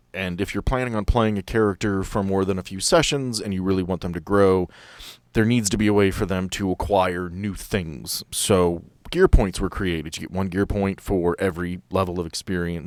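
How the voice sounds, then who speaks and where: Low-voiced man as game master. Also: no room sound, clean studio sound. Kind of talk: casual talk explaining tabletop game rules.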